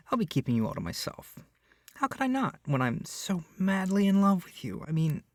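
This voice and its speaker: A man acts out a young male yandere captor for an ASMR roleplay, doting and possessive. His delivery is soft and awkwardly hesitant, often falling toward a whisper, with animated swings in pitch. The sound is dry, with no room around it. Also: breathy edge, no echo, heavily acted. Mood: smitten, possessive. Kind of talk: ASMR roleplay addressed to the listener.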